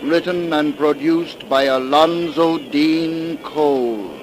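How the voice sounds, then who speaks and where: A male announcer delivers a formal introduction at a slow, deliberate pace. His tone is solemn and old-fashioned. The old broadcast carries a steady hiss. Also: on the high side. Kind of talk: formal 1930s radio announcing. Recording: hissy 1930s radio broadcast recording.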